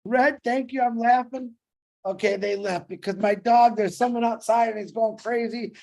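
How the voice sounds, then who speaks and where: A man's voice: extremely high pitch, steady tone, normal speed, creaky, darkish tone. A man speaking from home on an online chat, giving a fervent, emphatic motivational talk. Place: home, dog barking outside.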